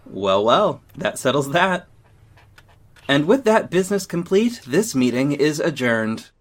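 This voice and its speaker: A man acting in an audio drama as a confident, sharp-tongued gay councilman with a pointed, theatrical manner. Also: a little high, very animated, measured pace. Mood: smug, commanding. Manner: theatrical, pointed, biting sarcasm.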